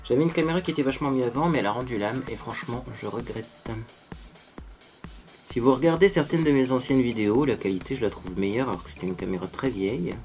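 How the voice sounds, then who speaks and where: A man of ordinary middle pitch talks viewers through his makeup in a loose, chatty way. He pokes fun at his own efforts and keeps tossing in small asides to the audience. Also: quick pace, darkish tone, soft background music. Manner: chatty, self-mocking, tags sentences with "hein". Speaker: beauty vlogger. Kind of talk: casual makeup tutorial.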